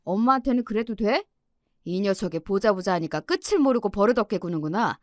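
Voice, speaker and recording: A woman voicing a gruff, hot-tempered middle-aged father who scolds sternly. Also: mid-range voice, animated, brisk, no room sound, studio quality, lightly acted. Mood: stern scolding.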